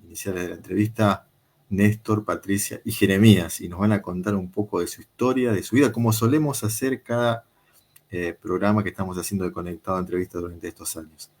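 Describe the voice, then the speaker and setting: Man, interview host, husky low voice, unhurried, lots of filler pauses, video call. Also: fairly even intonation, a little mellow.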